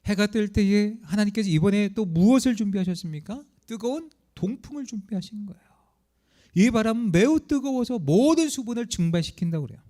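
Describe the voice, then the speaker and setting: A man's voice: sits high, lively intonation, brisk, mellow. A male pastor preaching a sermon, telling the story dramatically and acting out the quoted lines.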